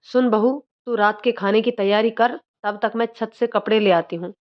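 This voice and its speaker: A woman's voice: medium pitch, moderate pace, close to an everyday voice. A woman voicing a harsh scolding mother-in-law. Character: cruel shouting village mother-in-law. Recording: dull lo-fi recording.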